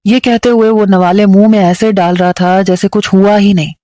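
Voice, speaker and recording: A woman's voice: medium pitch, fairly even intonation, dark tone, no room sound. Woman narrating a dramatic story. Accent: Pakistani Urdu.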